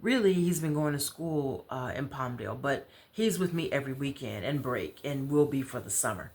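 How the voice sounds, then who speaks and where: An American woman voicing a troubled, proud mother in a story, confiding in a halting, conversational way. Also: a bass voice, expressive, a little mellow. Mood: weary.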